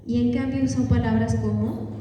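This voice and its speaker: A woman's voice: on the high side, fairly even intonation, normal speed, dark tone. A woman giving a live talk to parents, often checking in with the audience through questions. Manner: engages audience with frequent questions. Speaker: parenting workshop speaker. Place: large echoey hall. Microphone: distant from the mic. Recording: echoey hall from far off, faint noise.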